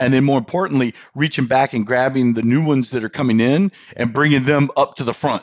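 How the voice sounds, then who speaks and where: Against a quiet background, a man with an unremarkable speaking voice talks at a fairly quick pace, medium in pitch with ordinary pitch variation. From North Carolina. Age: 50s. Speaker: army veteran and fitness program client. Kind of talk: podcast interview, personal story.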